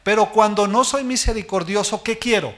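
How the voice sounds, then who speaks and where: A man preaching a sermon as pastor, asking the congregation questions and answering them himself, and letting his voice fall low and soft at the ends of phrases. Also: normal speed, a little hiss or hum. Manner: speaks directly to the listener as "hermano".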